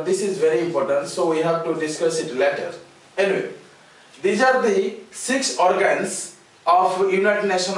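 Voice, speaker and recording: A man with an Indian English accent lectures slowly and deliberately in a fairly high voice. He spells out letters and repeats key words. The sound is very echoey and comes from some distance off the mic. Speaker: teacher. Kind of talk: classroom lecture. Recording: very echoey room, mic far off.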